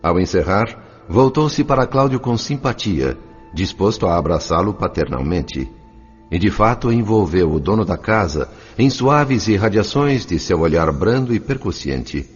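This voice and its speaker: An actor playing an earnest, reverent spirit apprentice who narrates a radio drama in formal, literary language. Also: male voice, low voice, animated, a little slow, slightly rough, long reverb tail, dull audio, faint music behind, full character voice.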